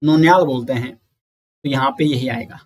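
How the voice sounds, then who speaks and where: A man giving an exam-prep lecture, explaining slowly, repeating sounds and counting aloud. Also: medium pitch. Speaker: teacher.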